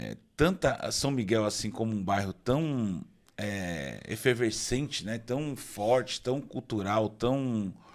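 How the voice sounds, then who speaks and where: The man speaks at a very slow pace. His medium-pitched voice has lively intonation. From São Paulo, Brazil. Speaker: podcast host. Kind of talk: interview. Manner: halting.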